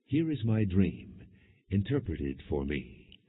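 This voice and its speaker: Guy narrating as proud old-world king, formal and declamatory, husky voice, muffled audiobook sound. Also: low voice, big pitch swings, unhurried, full character voice. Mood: formal, reverent. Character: proud, commanding ancient king addressing his people.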